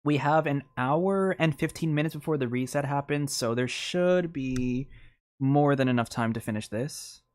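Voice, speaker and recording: Very low-pitched, excitable woman streamer. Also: normal speed. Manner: excitable, rambling, exclamatory. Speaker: game streamer. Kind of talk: casual livestream game commentary.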